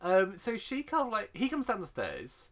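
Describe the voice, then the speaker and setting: A man's voice: sits high, huge pitch swings, moderate pace, a bit bright. A man co-hosting a podcast, chatting casually, laughing often and slipping into silly voices. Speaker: podcast co-host. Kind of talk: casual chat with impressions.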